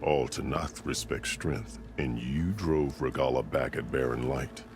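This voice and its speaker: An actor playing a stern, proud tribal warrior chief in a video game, speaking in a solemn, formal, measured way. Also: male voice, rumbling low, steady tone. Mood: grave, proud. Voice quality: gravelly. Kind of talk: dramatic video game acting. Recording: loud music behind the voice.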